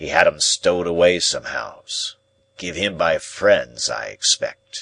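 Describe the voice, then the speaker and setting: Putting on a character voice, a man talks fairly slowly at an extremely high pitch, growling and raspy. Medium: read story. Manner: growling, coarse.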